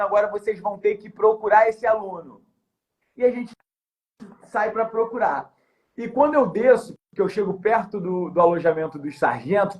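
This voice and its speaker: In a relaxed podcast interview, a high-voiced Rio man who once served as an elite police officer recounts a story. He performs it with gusto, putting on the characters' voices and shouting along the way.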